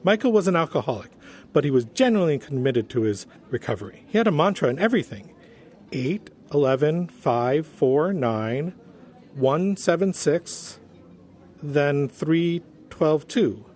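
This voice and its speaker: An actor playing an earnest, gentle former human resources director in an audio drama, polite and prim in his wording. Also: on the high side, expressive, unhurried. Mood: earnest, reassuring. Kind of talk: audio drama acting as interview guest.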